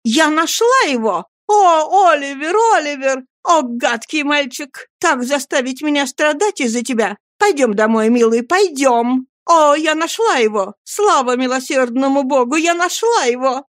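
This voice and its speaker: A woman reading an audiobook and voicing a distraught young woman who wails and pleads loudly. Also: high voice, animated, normal speed, hardly any pauses, no echo, studio quality, voice pushed up. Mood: wailing. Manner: wailing, theatrical pleading.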